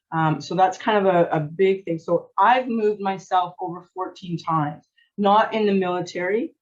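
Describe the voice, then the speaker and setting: A middle-aged woman from Canada, a coach and former athlete, telling her story in a lively, chatty way with frequent laughs and restarts. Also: fairly low pitch, lo-fi sound. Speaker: guest, sport psychology coach. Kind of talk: casual interview storytelling.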